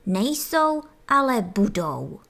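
A woman's voice: medium pitch, big pitch swings, gravelly, fairly bright tone, exaggerated voice. A woman voicing an eager young ant boy. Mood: determined.

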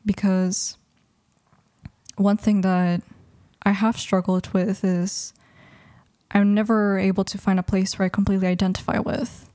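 Young woman with warm, mellow voice. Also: mid-range voice, little pitch movement, unhurried, no room sound, studio quality. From Mexico. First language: Russian. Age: 20s. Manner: thoughtful, hesitant, many restarts and fillers. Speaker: guest. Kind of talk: casual interview conversation.

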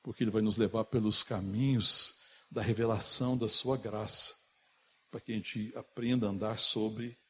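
A man's voice: lowish voice, fairly even intonation, normal speed, sharp tone, slightly rough. A man preaching an impassioned sermon and often calling his listeners brother.

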